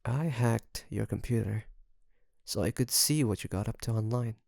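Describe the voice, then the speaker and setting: A man playing an obsessive, doting kidnapper best friend in an intimate audio roleplay, creaky, coaxing and teasing with soft menace. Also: lowish voice, no echo, clean studio sound. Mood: smug, teasing. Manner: softly menacing, coaxing, teasing, with drawn-out phrases.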